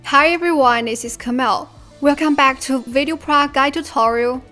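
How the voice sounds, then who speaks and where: A woman narrating a software tutorial, her greeting run through a digital echo effect so each phrase repeats after a delay. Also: high voice, normal speed, soft background music.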